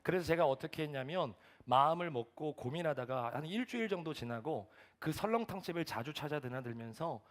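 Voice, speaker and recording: Fast-talking Korean pastor preaching. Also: male voice, a little high, expressive. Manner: storytelling, acting out shouted quotes. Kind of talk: sermon.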